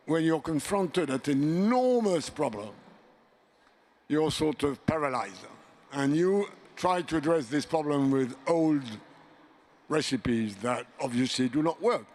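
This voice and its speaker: Slow, deliberate older man on a panel. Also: fairly high pitch, expressive, a little mellow. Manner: slow, deliberate, with long pauses. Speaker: panel speaker, commission member. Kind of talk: panel discussion remarks.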